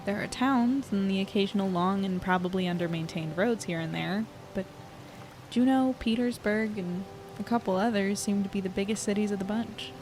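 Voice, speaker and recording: A woman's voice: medium pitch, moderate pace, lightly acted. A woman in her twenties playing an earnest young reporter in an audio drama, conversational and hesitant as she thinks aloud. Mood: reflective. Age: 20s. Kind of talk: audio drama, naturalistic monologue and dialogue.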